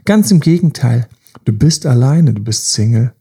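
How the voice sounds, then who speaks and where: A man's voice: mid-range voice, sing-song, moderate pace, dark tone, slightly rough. A man hosting a self-help podcast, coaching listeners directly with repeated rhetorical questions. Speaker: podcast host.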